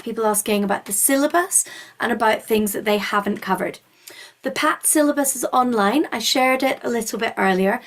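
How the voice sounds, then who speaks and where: Scottish woman, webinar host. Informal, explanatory delivery, encouraging and reassuring, mid-range voice. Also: medium pitch. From Scotland.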